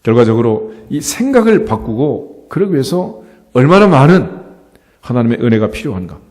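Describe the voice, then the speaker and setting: A middle-aged male pastor preaching a sermon in a lively, conversational way, often asking the congregation rhetorical questions. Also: mid-range voice, normal speed. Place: church sanctuary. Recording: church hall with long reverb.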